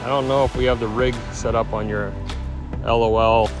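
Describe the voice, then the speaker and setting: A middle-aged man talks casually into an action camera outdoors, full of enthusiasm and encouragement. His voice sits at a middle pitch, with music playing clearly behind him. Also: steady tone, moderate pace. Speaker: e-bike reviewer, father. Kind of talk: casual on-camera talk while riding and fishing. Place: outdoors, suburban streets and lakeside.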